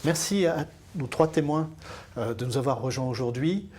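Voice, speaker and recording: A man hosts a live panel discussion, welcoming guests and laying out the plan in a friendly, chatty way. His voice carries a light husky grain at a middle pitch, and he pauses often to find his words. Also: expressive, darkish tone. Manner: friendly, chatty introductions with frequent hesitations. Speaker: panel moderator. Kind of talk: moderating a live panel webinar.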